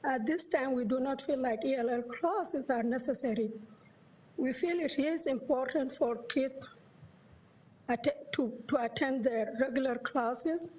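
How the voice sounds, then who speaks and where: High-voiced woman from South Sudan. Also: a little mellow, low-quality recording. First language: a South Sudanese language. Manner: reads haltingly with restarts. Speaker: parent speaking at public comment. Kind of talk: reading a prepared letter aloud.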